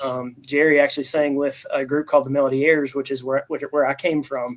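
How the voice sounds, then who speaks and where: A man's fairly high-pitched, monotone, flat voice at a fairly quick pace, with noticeable background noise. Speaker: southern gospel tenor singer. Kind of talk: interview conversation. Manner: halting, many fillers.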